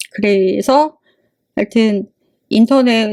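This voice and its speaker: This woman's intonation is lively. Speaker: political YouTuber. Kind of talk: political commentary monologue. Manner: halting, self-correcting.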